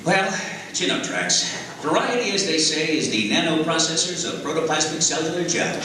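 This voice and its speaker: An actor playing an eager, wisecracking little robot scout with an upbeat, teasing manner in a live script reading. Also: male voice, a little high, very animated, normal speed, sharp tone. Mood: wry teasing. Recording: echoey hall from far off, noisy.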